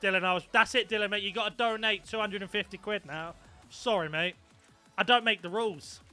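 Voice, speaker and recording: A man's voice: sits high, a little fast, sharp tone, faint music behind. A young man chatting casually on a live stream, swearing freely and reacting to his viewers. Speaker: gaming streamer.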